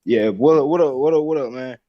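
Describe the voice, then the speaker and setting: A man's voice: medium pitch, a little fast, lo-fi sound. An American man chatting casually on an online call in African American Vernacular English.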